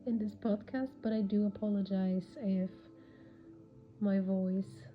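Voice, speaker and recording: A woman with a cold and a raspy, hushed voice, giving unscripted spiritual guidance hesitantly, with long pauses. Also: mid-range voice, little pitch movement. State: has a cold, irritated throat. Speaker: spiritual podcast host. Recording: dull lo-fi audio with background music. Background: music.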